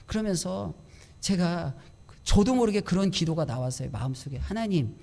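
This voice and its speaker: Gravelly high-voiced pastor preaching. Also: male voice, animated, moderate pace, darkish tone. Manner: storytelling, acts out his own inner grumbling. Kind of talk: sermon.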